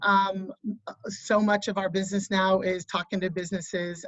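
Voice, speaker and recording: Somewhat breathy and flat in intonation, a woman talks at a moderate pace with a medium pitch. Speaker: attorney. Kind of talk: webinar presentation.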